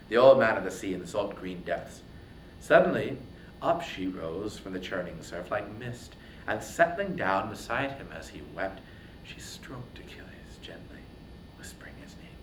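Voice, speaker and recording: A man narrates ancient epic in a theatrical style. The delivery is slow and sinks into hushed phrase endings. The room is echoey, with a faint rumble underneath. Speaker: reader of epic poetry. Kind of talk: dramatic literary narration. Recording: roomy echo, faint rumbling noise.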